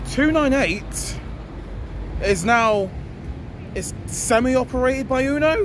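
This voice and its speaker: A man talks at a very slow pace, the sound dry with no echo and noticeable background noise. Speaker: bus enthusiast vlogger. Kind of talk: casual vlog chat. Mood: amused, animated. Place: street. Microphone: phone near.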